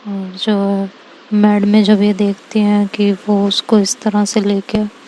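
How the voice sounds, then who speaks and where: A woman casually narrating a romance story in a plain, relaxed way. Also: medium pitch, slow, slight background noise.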